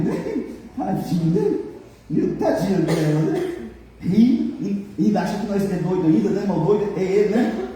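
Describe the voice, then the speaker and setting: A middle-aged pastor with a high, mellow voice preaches a humorous sermon in a church hall, joking, teasing his congregation, and mimicking people. A distant mic captures the echoey hall with slight background noise.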